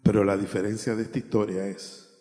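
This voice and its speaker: A man's voice: lowish voice, level tone, fairly quick, dark tone, soft background music. A male pastor telling a personal testimony in a sermon, with emotional storytelling that rises and falls. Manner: emotional storytelling, voice rising and dropping. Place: church. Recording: reverberant church hall with instrument behind.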